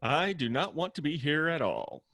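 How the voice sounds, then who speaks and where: A man's voice: a little high, expressive, normal speed, fairly bright tone. A man playing a sardonic, gossipy gay roommate in his twenties in a table read, with a dry, teasing manner. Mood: dry annoyance.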